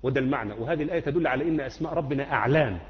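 A man's voice: mid-range voice, racing, slightly rough. A man with an Egyptian Arabic accent teaching Islamic creed, quizzing students and repeating points until the class answers. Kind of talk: classroom lecture with questions to students. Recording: muffled lecture hall recording with long echo.

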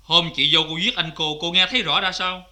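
An actor playing a stern, formal court judge questioning witnesses in a cải lương drama. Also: male voice, a little high, quick pace, bright, forceful tone.

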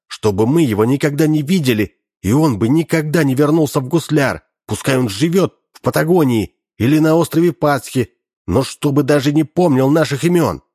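A man's voice: a little high, darkish tone, dry recording, voice pushed up, lightly acted. Stern protective young woman, put on by a male reader, firm, dry close sound. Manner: stern, urgent.

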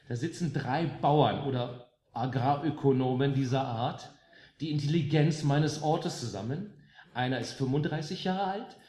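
A man from West Germany rouses a live concert crowd between songs with an emphatic political speech, using sarcastic jabs and rhetorical questions. His voice is fairly high in pitch with a darkish tone. Faint music sounds in the roomy live space.

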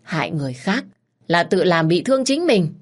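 A woman's voice: mid-range voice, animated, normal speed, voice pushed up, natural voice. A woman voicing a stern older landowner who scolds and gives harsh orders. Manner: scolding, commanding.

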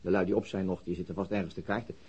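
An actor playing a brooding, stubborn police detective in a radio drama, terse and grave, with a husky voice. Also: male voice, deep voice, fairly even intonation, rapid-fire, darkish tone. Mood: serious, stubborn. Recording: dull, muffled lo-fi audio.

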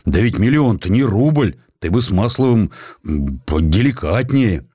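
A man's voice: fairly low pitch, animated, unhurried, mellow, husky, no room sound, voice pushed up. A man voicing a concerned aristocratic prince in an audiobook, urgent and solicitous with his friend. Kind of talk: audiobook character dialogue.

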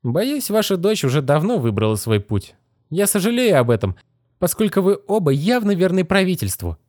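A man's voice: high-pitched, sing-song, normal speed, darkish tone, no room sound, studio quality, pitched above the performer's own voice. A man voicing a vain, cold young male magician in a haughty, condescending manner. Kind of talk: audiobook character reading.

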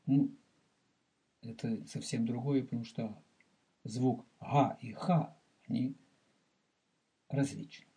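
A man teaching as a rabbi in a recorded religious lecture. He speaks deliberately, addresses the listener directly, and explains and repeats terms for emphasis. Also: medium pitch, fairly even intonation, warm tone, husky.

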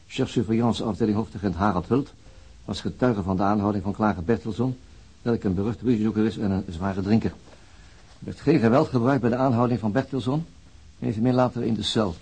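An actor playing a dry, formal official who reads out dismissive police notes in a matter-of-fact manner. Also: male voice, fairly low pitch, a little fast, darkish tone, husky, rough recording. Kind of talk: dramatized reading of official notes.

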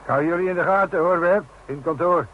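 A man playing a gruff, commanding work boss in a Dutch radio drama, blunt and impatient with backtalk. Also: sits high, quick pace, phone-quality sound, a little hiss or hum, lightly acted. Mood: dry. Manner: blunt, authoritative.

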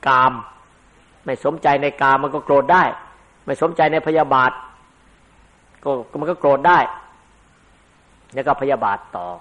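A man's voice: mid-range voice, expressive, unhurried, pauses often, fairly bright tone. An older man giving a Buddhist dharma sermon in a conversational way, rising into emphatic bursts. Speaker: Buddhist monk teacher.

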